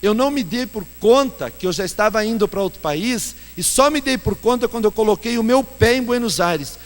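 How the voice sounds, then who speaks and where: A man's voice: high-pitched, brisk. A male pastor preaching a sermon and telling self-mocking stories, recorded in a church hall with long reverb. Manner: animated storyteller, self-mocking. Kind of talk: sermon with anecdotes.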